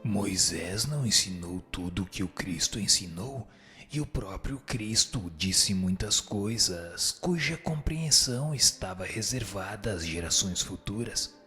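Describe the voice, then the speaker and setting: A man's voice: fairly low pitch, expressive, measured pace, pushed and bright. A Brazilian man playing a wise, solemn spirit teacher in a radio drama, speaking in formal, didactic and rhetorical phrases. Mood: didactic, patient. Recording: music behind the voice.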